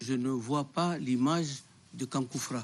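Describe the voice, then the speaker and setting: A man with a medium-pitched voice and ordinary pitch movement talks against a quiet background. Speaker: eyewitness to independence. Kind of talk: testimony. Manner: halting.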